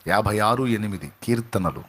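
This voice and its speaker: A man's voice: on the low side, animated, moderate pace, fairly bright tone, breathy edge. A male pastor preaching a sermon, fervent, with his voice rising to emphatic peaks and quotes delivered dramatically.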